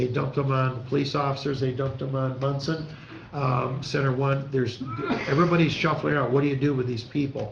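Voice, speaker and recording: A man at medium pitch talks at a fairly quick pace in monotone, flat intonation, with audible room echo. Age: 60s. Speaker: county sheriff. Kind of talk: public meeting report. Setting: county board meeting.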